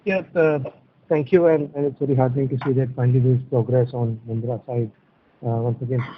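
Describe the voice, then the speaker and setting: A man's voice: mid-range voice, steady tone, brisk, slightly rough. A man, an analyst politely opening his question on a conference call. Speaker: financial analyst caller. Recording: tinny narrowband phone line.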